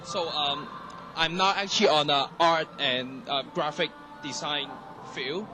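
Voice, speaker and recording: A young man from Hong Kong with a Hong Kong accent and Cantonese as his first language. He speaks haltingly as a panel guest, with many restarts and fillers. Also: a little high. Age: young adult. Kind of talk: panel discussion. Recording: noisy room.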